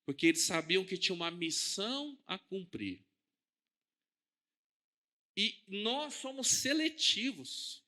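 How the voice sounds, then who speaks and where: A man with a Brazilian Portuguese accent preaches to his congregation in a high, strikingly bright voice. He keeps it conversational and puts questions to the people listening, dropping soft and then rising loud. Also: very animated, takes it slowly, long pauses. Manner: conversational, asks the congregation questions, wide swings in loudness. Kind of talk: sermon. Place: church hall.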